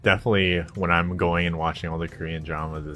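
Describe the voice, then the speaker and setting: A man's voice: deep voice, little pitch movement, fast talker, sharp tone, faint music behind. A man hosting a podcast in an informal, chatty style. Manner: informal, often chuckles through phrases. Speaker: podcast host. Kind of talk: casual podcast conversation.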